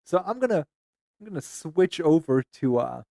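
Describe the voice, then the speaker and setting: A man's voice: on the high side, sing-song, moderate pace, gravelly, dark tone, dry recording. Distracted streamer man, dry close mic. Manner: distracted, mutters while fixing his screen. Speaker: streamer host. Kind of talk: casual stream chat.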